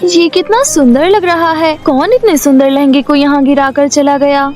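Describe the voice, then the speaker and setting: A woman voicing an earnest, stubborn young daughter in an animated moral story. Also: sits high, normal speed, natural voice. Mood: wondering. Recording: music bed behind the voice.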